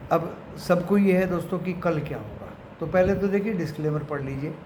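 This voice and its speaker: An Indian man with a slightly high voice speaks in an echoey room with clear noise behind him. He gives unscripted market commentary as a channel host. He often slips into English phrases and addresses his viewers as friends. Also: a little fast, darkish tone.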